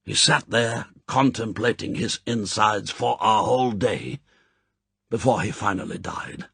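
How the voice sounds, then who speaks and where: A man's voice: lowish voice, measured pace, gravelly, fairly bright tone, breathy edge, no room sound, full character voice. A man voicing a proud Japanese spymaster in an audiobook, formal and courtly, zealous and sternly gracious. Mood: solemn, fervent. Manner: formal, stilted, courtly phrasing.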